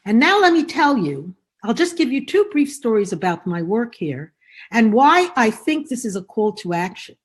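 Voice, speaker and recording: A woman from New York speaks to a gathering in a high voice. Her pitch climbs and falls widely as she asks rhetorical questions and tells stories about her casework. The delivery is impassioned. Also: sing-song, moderate pace, husky. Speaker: speaker on agunah cases. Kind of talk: impassioned lecture with storytelling. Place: Los Angeles event.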